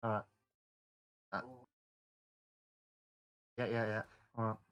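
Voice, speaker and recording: A man's voice: on the low side, little pitch movement, slow, a bit bright, smooth. A man playing a tabletop game as a player, talking casually with lots of swearing. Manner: crude, swearing, boisterous.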